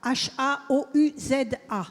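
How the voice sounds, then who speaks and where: A woman from the audience asking a question at a public talk, measured and deliberate. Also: high voice. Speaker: audience member. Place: large hall at a public event. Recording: reverberant hall.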